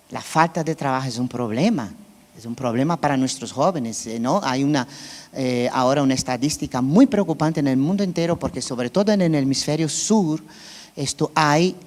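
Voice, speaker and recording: A man's voice: mid-range voice, a little mellow. Man preaching in a reverberant church. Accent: Brazilian Portuguese. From Brazil. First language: Portuguese. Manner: conversational, often checks with listeners. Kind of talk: sermon.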